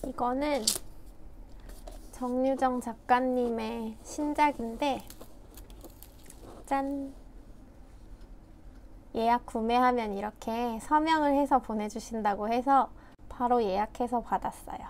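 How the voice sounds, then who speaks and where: A woman's voice: on the high side, takes it slowly, pauses often, darkish tone, slight background noise. A woman in her thirties chatting cheerfully as she narrates a casual home vlog. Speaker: vlogger. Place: home indoors.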